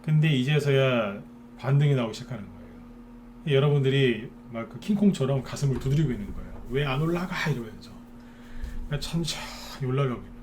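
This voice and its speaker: A man's voice: medium pitch, expressive, fairly quick, a little mellow, a little hiss or hum. A man giving a live stock market lecture to viewers, talking in a chatty way and often checking in with them through short tag questions.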